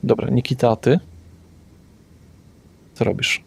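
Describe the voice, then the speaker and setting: Man, game master, medium pitch, relaxed narration, hesitant fillers. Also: measured pace, vocal fry, slightly rough. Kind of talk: narrating a tabletop vampire game.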